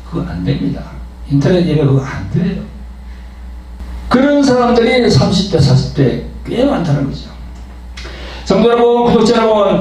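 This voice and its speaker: A man's voice: a little high, darkish tone, distant mic. A man preaching a sermon as pastor, emphatic and full of rhetorical questions, addressing the congregation and online subscribers. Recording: echoey hall, voice from afar.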